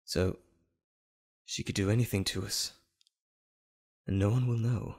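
A man's voice: on the low side, fairly even intonation, a little slow, a little mellow. A man playing a wry, anxious civilian doctor held captive in an audio drama. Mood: wry, uneasy.

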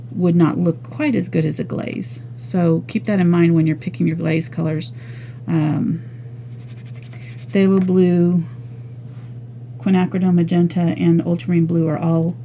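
A woman teaching an acrylic painting lesson, talking casually and thinking aloud as she works, with soft murmured asides. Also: fairly low pitch, gravelly, a little hiss or hum. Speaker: painting instructor. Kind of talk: relaxed step-by-step art lesson.

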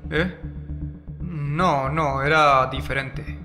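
A man's voice: fairly high pitch, fairly even intonation, drawn-out words. A man playing a rattled male asylum nurse recounting a disturbing incident in an audiobook drama. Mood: uneasy. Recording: loud music under the voice. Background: loud background music.

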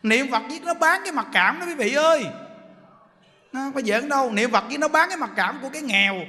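A man's voice: very high-pitched, expressive, a little fast, pushed and bright, long reverb tail. A man, a Buddhist monk giving a joking, story-filled dharma talk. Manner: joking, storytelling, laughs often.

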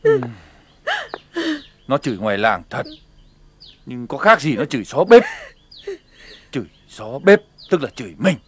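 An actor playing a bitter, domineering village husband who barks orders in a harsh voice in a TV drama. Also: male voice, medium pitch, very animated, unhurried, long pauses, fairly bright tone, a little hiss or hum. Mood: grim. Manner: harsh, gravelly, barking commands. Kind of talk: TV drama acting.

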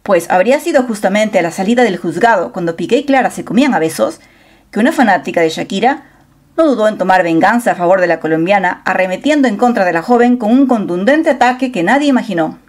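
A woman's voice: medium pitch, animated, fast talker, darkish tone. A woman reading a scripted celebrity gossip news voice-over in a dramatic, storytelling manner on a close mic. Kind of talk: scripted narration.

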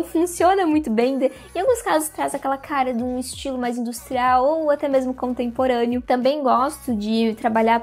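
A young woman hosting an interior design video, talking casually to the camera on a lapel mic in a room, with lots of hand gestures. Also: high-pitched. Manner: chatty, animated hand gestures, addresses viewers directly. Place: indoor room with curtains and plants.

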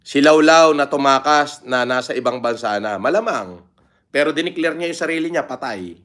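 A man's voice: medium pitch, normal speed, a bit bright. A middle-aged man talking bluntly on a casual livestream, swearing openly and reading out viewer comments. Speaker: livestream vlogger.

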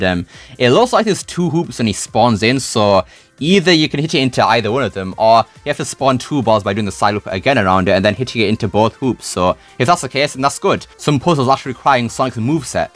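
A man's voice: medium pitch, a bit bright. A man giving casual, informal reaction commentary as a video creator, thinking aloud as he goes.

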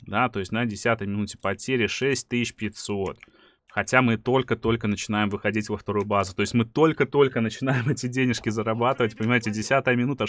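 A man in his thirties commentating a video game play-by-play in an animated, emphatic way, often repeating phrases. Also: mid-range voice. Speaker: gaming streamer. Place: small dim room indoors.

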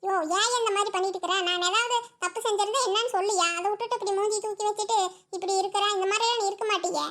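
Very high bright cartoon village wife a woman doing her, kongu accent, pleads and coaxes. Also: fairly even intonation, very fast. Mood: pleading. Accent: Kongu Tamil. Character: chatty young village wife, quick to argue. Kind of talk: cartoon voice acting.

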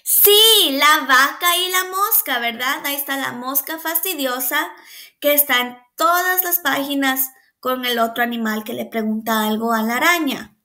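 A woman's voice: high voice, moderate pace, bright, forceful tone. A woman preschool teacher reading a picture book aloud to young children. She patiently asks them questions, praises them, and sounds out the animal noises.

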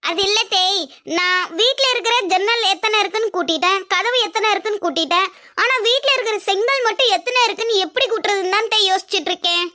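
A woman's voice: very high-pitched, fast, pushed and bright. A woman voicing a clueless, cheerful young daughter-in-law in a cartoon, naive and eager to please. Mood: earnest. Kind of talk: cartoon voice acting.

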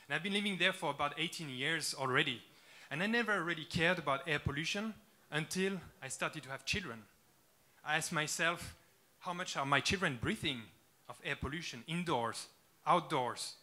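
A man in his thirties with a French accent, presenting his startup on a big conference stage. His tone is bright and forward, and he speaks with eager conviction, filling pauses with plenty of "uh"s. He talks into a handheld mic. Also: on the high side. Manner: earnest, eager, with many "uh" fillers. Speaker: startup founder pitching on stage. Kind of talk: conference pitch talk. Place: large dark conference stage with audience.

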